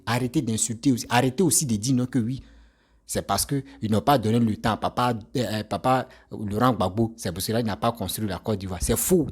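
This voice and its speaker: A man speaks with a lilt, his voice rough and husky at the edges, sitting at a middle pitch. He talks like a commentator addressing his followers, emphatic and urging, hammering the same point again and again. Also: a little mellow. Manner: emphatic, urging, repeats himself. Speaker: political commentator. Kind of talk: exhorting introduction.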